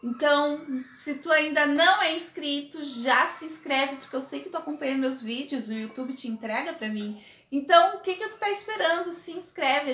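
A woman, chatting animatedly to camera as a beauty vlogger reviewing a product. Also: high-pitched. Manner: chatty and animated, gestures a lot while talking. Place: small indoor room with makeup table. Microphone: camera at desk distance. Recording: echoey small room.

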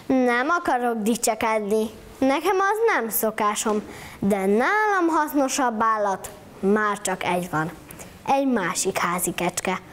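A woman's voice: a little high, animated, a little hiss or hum, lightly acted. A woman reciting a monologue as a proud, boastful house goat, mock-indignant.

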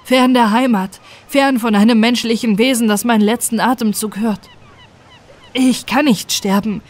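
A woman's voice: a little high, fairly even intonation, moderate pace, natural voice. A woman voicing a desperate young shipwrecked man, pleading and lamenting in a bedtime fairy tale. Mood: anguished lament.

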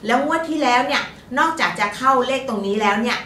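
Bright and pushed, this woman's fairly high voice moves at a quick pace as she co-hosts a fortune-telling program. Politely chatty and heavy on particles, she hands out lottery tips in a casual way, captured on a distant mic in a roomy space with faint background noise.

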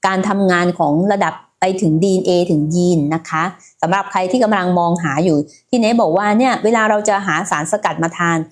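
A woman with a medium-pitched voice talks fairly quickly and rarely pauses. She hosts a casual health livestream, chatting away with plenty of fillers and speaking directly to her viewers.

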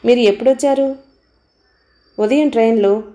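A woman reading the part of a composed, dignified woman lecturer who speaks calmly and gently. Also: a little high, moderate pace, roomy sound, lightly acted. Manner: calm, gentle, reserved.

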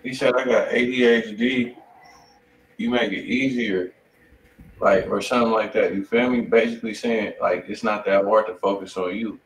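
An American man with a low voice hosts a music livestream in casual slang. He sounds a little distant from the mic, in an echoey room with faint noise. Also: fairly even intonation, normal speed. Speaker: music review show host.

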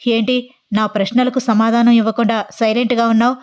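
An arrogant young man barks accusations in a quick, bossy run of questions, as a woman narrator puts him on. The voice sits fairly high and the recording sounds dull and lo-fi. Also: flat delivery, darkish tone, clean tone, lightly acted. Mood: accusing. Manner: bossy, rapid-fire interrogating.

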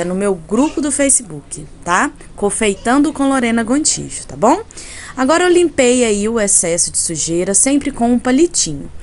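A Brazilian woman with a honking, nasal voice stuffed up by a cold, chattily narrating a casual tutorial and often checking in with viewers. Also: a little high. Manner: chatty, addresses viewers with frequent tag questions. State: congested from a cold. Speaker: cake decorating channel host. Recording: clearly noisy home recording.

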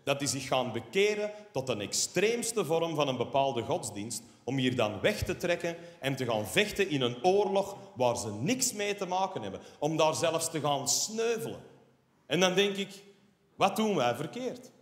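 Ranting Flemish comedian in a hall. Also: male voice, a little high, measured pace. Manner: ranting, animated, sarcastic asides with tag "hè". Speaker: stand-up comedian. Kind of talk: stand-up comedy routine. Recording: roomy hall reverb from a live stage.

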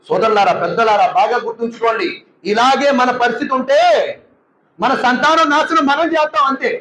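A man who is an imam, delivering a lively sermon and slipping into quick voices of his listeners. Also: extremely high pitch, echoey room, low-quality recording. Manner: animated, mimics congregants in asides.

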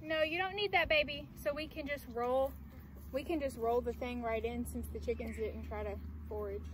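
A young woman vlogging as she does farm chores outdoors, chatting casually with the camera and softly cooing at the animals. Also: high-pitched, steady tone, moderate pace, noisy background. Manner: chatty, talks to the animals in a soft baby voice. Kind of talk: casual chat. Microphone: phone camera, often held at arm's length. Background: farm animals and outdoor ambience.

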